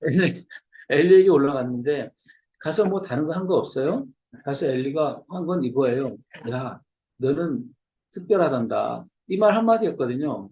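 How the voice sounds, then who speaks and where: A man's voice: fairly high pitch, warm tone, reverberant. A man preaching a sermon as a missionary, in a conversational way that keeps checking in with his listeners. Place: church hall.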